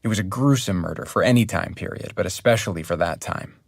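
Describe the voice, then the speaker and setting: An actor playing an earnest podcast journalist, narrating a true crime documentary in a measured, serious way. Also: male voice, low-pitched, gravelly, no room sound, clean studio sound. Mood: earnest, intrigued.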